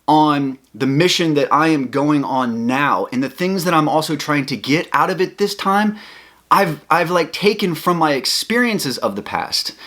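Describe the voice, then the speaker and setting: A man's voice: a little high, expressive, moderate pace, fairly bright tone. Earnest young man vlogging. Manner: earnest, motivational. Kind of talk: casual vlog talk to camera.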